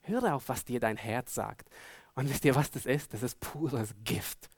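A man preaching a sermon, earnestly putting searching questions to his listeners and moving between loud emphasis and hushed tones. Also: mid-range voice, a little slow, husky, no echo.

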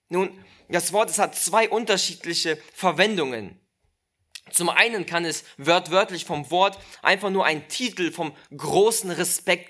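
A preacher giving a sermon, slow and emphatic, repeating key phrases and speaking directly to the listeners. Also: mid-range voice, a bit bright.

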